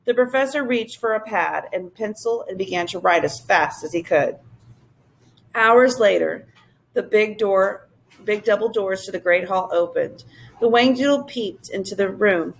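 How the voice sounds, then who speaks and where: A woman teacher reading a novel aloud to her class with expressive storytelling. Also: medium pitch, measured pace, creaky, poor audio.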